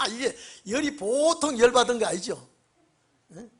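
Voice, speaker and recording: During an evening service in a church sanctuary, a male pastor preaches emphatically, prodding his congregation with repeated questions. He swings between loud bursts and quiet, low phrases, speaking expressively and a little slowly with a breathy edge.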